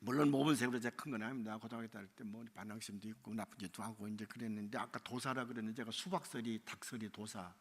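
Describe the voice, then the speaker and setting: A man preaching a revival sermon in a church, telling a story and acting out its dialogue, sometimes shouting and crying out the lines. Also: lowish voice, fairly even intonation, quick pace, few pauses. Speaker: pastor. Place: church sanctuary. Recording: church hall reverb.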